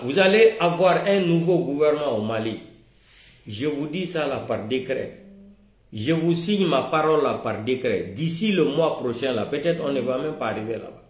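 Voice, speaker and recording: A man with a West African accent delivering a vehement, accusatory political rant, with commanding, repetitive and emphatic declarations. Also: fairly high pitch. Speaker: political video commentator. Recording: roomy, echoing room.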